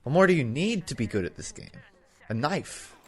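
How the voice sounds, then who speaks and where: A man's voice: mid-range voice, sing-song, moderate pace, husky. A young man giving casual, rambling commentary over his game footage, full of sarcastic, self-mocking jokes. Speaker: gaming YouTuber.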